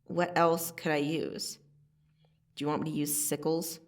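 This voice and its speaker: A woman playing a cocky, teasing vampire assassin in an ASMR roleplay, casually menacing, with a sardonic delivery and long pauses. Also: deep voice, flat delivery, recorded from a distance. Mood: amused, condescending. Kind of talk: ASMR roleplay monologue to the listener.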